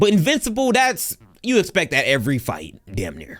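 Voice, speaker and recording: Speaking at a fairly quick pace, a man shows vocal fry and very wide pitch swings. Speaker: streamer. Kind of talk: reaction commentary. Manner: fast.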